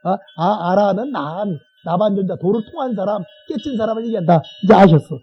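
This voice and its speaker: A Buddhist monk lectures on a sutra to his class in an unusually high voice for a man. He keeps it colloquial and checks back with his listeners as he goes. The recording sounds dull and lo-fi. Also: fairly quick, slight background noise.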